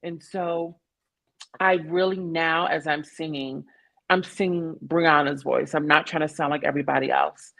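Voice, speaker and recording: A woman. She talks as a guest in an interview. She tells her story in an animated, reflective way, and laughs often. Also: low-pitched, measured pace, creaky. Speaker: guest, opera singer. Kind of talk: conversational interview.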